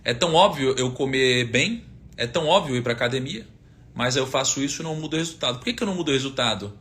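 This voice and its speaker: A man's voice: medium pitch, lively intonation, quick pace, fairly bright tone. A man in his thirties with a Brazilian accent, giving a casual faith and money talk, full of rhetorical questions and quoted verses. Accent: Brazilian Portuguese. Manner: conversational, asks rhetorical questions, quotes scripture. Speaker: finance speaker giving a faith-based talk. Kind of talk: casual teaching talk, live stream.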